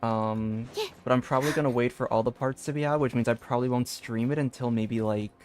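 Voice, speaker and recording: A man's voice: mid-range voice, steady tone, brisk. A man livestreaming a game, chatting casually and reading bits of on-screen text aloud. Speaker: game streamer. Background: soft game music.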